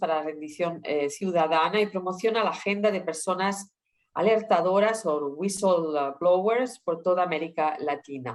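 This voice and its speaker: With an unremarkable speaking voice, a woman holds a mid-range pitch that rises and falls in an ordinary way. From Catalonia, Spain. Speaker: conference moderator. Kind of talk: moderating introduction.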